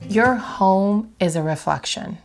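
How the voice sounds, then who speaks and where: Speaking to camera from her bedroom, a young adult woman who is a vlog host and interior designer gives a motivational talk in a calm, reflective coaching tone, asking the viewer direct questions. A head cold makes her mid-range voice slightly nasal, her pace is slow, and music plays in the background.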